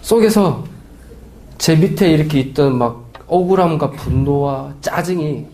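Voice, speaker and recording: A man in his forties, a missionary pastor, preaching a sermon with lively, anecdotal storytelling and acted-out voices. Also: on the high side, moderate pace. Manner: animated storytelling, acting out quoted voices.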